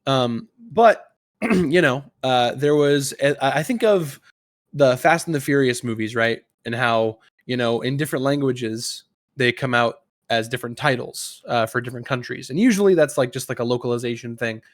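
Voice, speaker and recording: A man's voice: mid-range voice, moderate pace, no echo. Man hosting, close dry sound. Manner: informal, conversational. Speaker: podcast host. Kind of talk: casual gaming podcast chat, explaining a quiz game.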